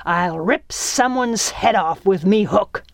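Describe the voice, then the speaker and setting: A woman's voice: mid-range voice, expressive, slow, darkish tone, no room sound. A woman voicing a brooding male pirate captain in a growling, commanding manner for a story. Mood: menacing.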